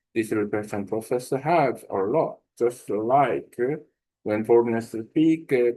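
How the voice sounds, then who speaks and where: A man with a Korean accent, a native Korean speaker, reading a prepared text aloud slowly and deliberately, pausing and correcting himself as he shares his language-learning method. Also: on the low side, a little mellow, poor audio. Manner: slow, deliberate reading with pauses and self-corrections.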